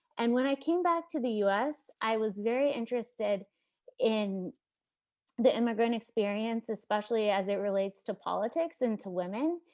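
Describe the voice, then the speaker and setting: Here is an ordinary speaking voice from a woman at a moderate pace. Her pitch is fairly high, with ordinary variation. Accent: American. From US Midwest, rural northeastern Wisconsin. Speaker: nurse-midwifery student, keynote speaker. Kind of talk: keynote presentation.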